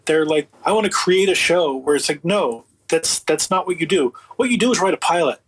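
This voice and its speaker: A man with a slightly husky voice speaking as an interview guest in casual, emphatic, opinionated, rambling talk. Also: a little high, expressive, fairly quick, a bit bright, rough recording. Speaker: guest, audio producer and writer.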